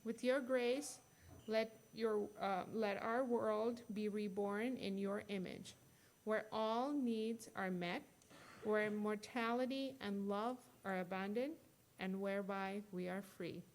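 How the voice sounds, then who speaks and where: A woman leading worship, reading a prayer aloud in a measured, solemn way. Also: medium pitch, steady tone, slight background noise. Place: church sanctuary.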